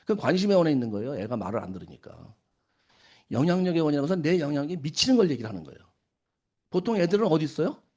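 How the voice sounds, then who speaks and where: A man's voice: a little high, big pitch swings, racing, darkish tone. A middle-aged man giving a seminar talk to an audience, often asking them questions and then answering them himself. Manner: acts out quoted scolding lines. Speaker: business seminar speaker. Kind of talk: lecture to an audience.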